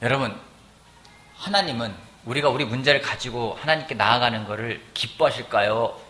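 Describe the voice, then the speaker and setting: Animated Korean pastor preaching, bright voice. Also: male voice, medium pitch, fairly quick, slight background noise. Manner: animated, asks the congregation questions. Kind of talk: sermon. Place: church sanctuary.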